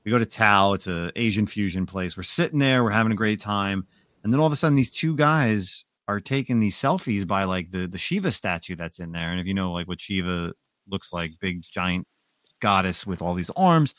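A man hosting a casual comic book podcast, his voice sitting a little low. He tells stories in an animated way. The sound is dry and close, with no room around it. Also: moderate pace, no echo. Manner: animated storytelling. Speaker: podcast host. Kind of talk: casual chat.

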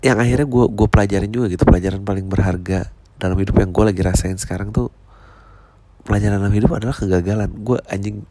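A man's voice: fairly low pitch, fairly even intonation, fast talker, very noisy. A man, a stand-up comedian talking casually and reflectively, full of slang, swearing and English phrases.

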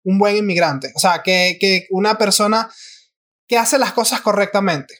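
A young man with a high-pitched voice talks casually on a podcast. He stumbles and restarts often. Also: moderate pace, fairly bright tone. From Venezuela. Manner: restarts, mimics Spanish and Argentine slang for laughs. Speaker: podcast co-host. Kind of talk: casual chat.

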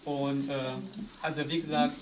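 A man's voice: a little high, completely flat delivery, moderate pace. Earnest man speaking German as a second language, from afar. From Eritrea. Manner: earnest, searching for words in non-native German. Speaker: discussion participant, father. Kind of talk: personal account in a discussion round. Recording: distant mic with faint room noise.

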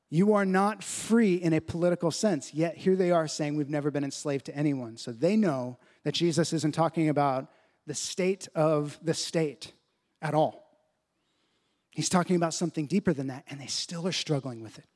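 A pastor delivers a sermon in a fairly high, bright male voice. He teaches with emphasis, pushing his pitch up to drive a point home. He also slows down deliberately over the phrases that matter most.

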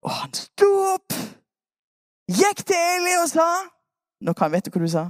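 Animated woman preacher retelling a Bible story. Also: very high-pitched, dry recording, studio quality. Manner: animated storytelling, coaxing listeners to act parts. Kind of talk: lively sermon, Bible story retold with volunteers.

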